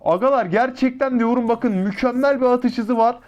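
A man giving excitable, slangy live commentary over a mobile shooter match, talking to his teammates and to his viewers. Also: extremely high pitch, normal speed, highs cut off. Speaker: mobile shooter gameplay YouTuber.

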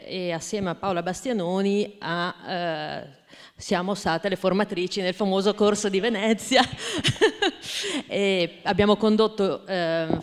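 A woman's voice: lowish voice, darkish tone. A woman giving a university talk on children's books, hesitant with many fillers and restarts. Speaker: guest speaker, children's book trainer. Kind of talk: university talk with a read-aloud. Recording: long hall reverb.

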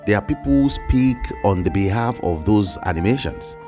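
A man in his thirties with a Nigerian accent, explaining online work ideas in an energetic, emphatic way, recorded close on a studio mic in a small home studio. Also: on the low side, moderate pace, highs cut off, faint music behind. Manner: animated, emphatic, gestures with hands. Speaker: online income creator. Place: small home studio with shelves and plants, indoors. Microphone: large studio mic on a boom, close.

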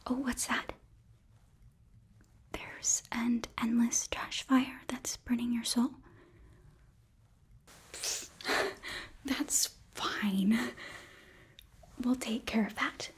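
A young woman voicing a sweet, earnest demon princess in an ASMR roleplay, breathy and often whispering, with nervous, eager optimism. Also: fairly high pitch, steady tone, very slow, long pauses, heavily acted. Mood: eager, soothing. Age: young adult. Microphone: close microphone.

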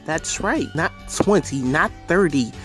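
A man's voice: a little high, expressive, measured pace, a bit bright, faint music behind. A man performing comic voice-overs, dubbing film, cartoon and advert scenes.

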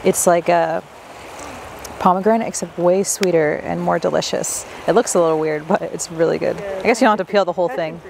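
Recorded noisily outdoors in the rainforest, with insects and jungle sounds around her, a young travel vlogger chats playfully and mocks herself. She has a lowish, steady voice with vocal fry, talking a little fast in this casual vlog.

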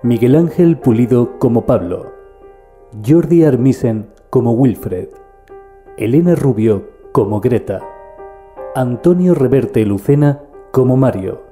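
A man's voice: mid-range voice, expressive, slow, warm tone, faint music behind. A man reading scripted credits as the announcer of an audio series. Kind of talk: scripted narration.

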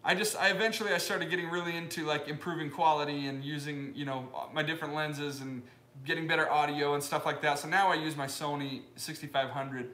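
A man's voice: fairly high pitch, fairly even intonation, fairly quick, bright, forceful tone. A young man live-streaming from his leather workshop, chatting casually in a loose, rambling way with lots of fillers. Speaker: live-streaming maker vlogger. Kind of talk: casual live stream chat, reading comments. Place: wooden-walled leather workshop, indoors. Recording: roomy workshop echo.

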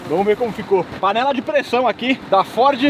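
A man's voice: very high-pitched, fast, background noise. A young Brazilian man hosting a casual outdoor vlog, chatting informally to the camera and his friends. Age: young adult. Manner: informal, slangy. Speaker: video host. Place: outdoors by a car on open dirt ground.

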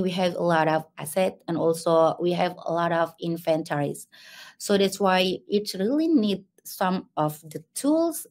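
A young woman presents to an online conference from a small room, her voice sitting slightly low. She moves through her points haltingly, repeating words and restarting phrases as she goes. The sound comes through a plain webcam mic. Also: darkish tone. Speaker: conference speaker, HR manager. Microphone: webcam on a video call.

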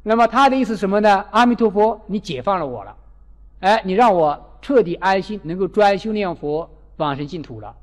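A man giving a Buddhist dharma talk as a lively storytelling sermon, acting out the people in his stories. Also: high-pitched, fairly quick. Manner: animated, acts out quoted characters. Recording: long hall reverb.

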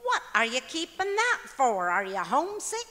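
A woman's voice: high-pitched, wildly swooping pitch, moderate pace, pushed and bright, heavily acted. A woman playing a wry, exasperated, bossy wife in an old-time radio comedy. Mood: nagging. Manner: wry, scolding. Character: exasperated, teasing wife, bossy but fond. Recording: echoey auditorium stage.

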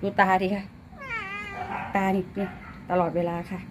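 A woman's voice: lowish voice, flat delivery, measured pace, a little hiss or hum. A woman at home filming her pets on a phone, chatting casually and talking to the animals in a cooing, baby-talk way. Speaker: pet-owner vlogger.

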